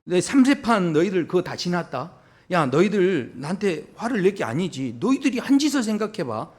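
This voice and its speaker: A pastor voicing a blunt, scolding God. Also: male voice, high-pitched, big pitch swings, moderate pace, slightly rough, full character voice. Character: stern scolding God, imagined.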